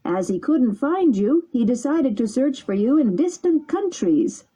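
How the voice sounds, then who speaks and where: A woman doing a calm, kindly big pigeon. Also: high voice, measured pace, husky, pitched above the performer's own voice, full character voice. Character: large kindly male pigeon, calm and helpful. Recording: dull lo-fi recording.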